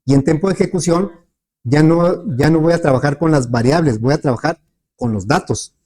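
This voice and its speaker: A man with a somewhat high, slightly mellow voice lectures briskly to a class. His manner is patient, with regular questions to check on students, many filler words, and frequent restarts.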